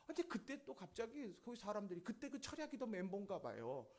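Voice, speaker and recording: A man's voice: high-pitched, huge pitch swings, a little fast, darkish tone. A man preaching a sermon in a church, telling a testimony story and acting out the voices of the people in it. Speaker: pastor. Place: church sanctuary.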